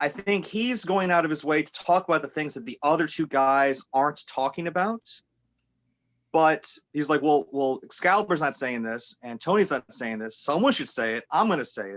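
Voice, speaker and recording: At a moderate pace, a man uses a plain, everyday voice with a fairly high pitch and lively intonation. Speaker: pro wrestling announcer and commentator. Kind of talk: interview answer.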